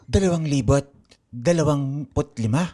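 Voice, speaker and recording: A woman's voice: low voice, warm tone. A woman playing a solemn, courtly male shopkeeper with formal, archaic speech in an improvised radio drama. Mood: urgent. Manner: formal, archaic wording, deliberate.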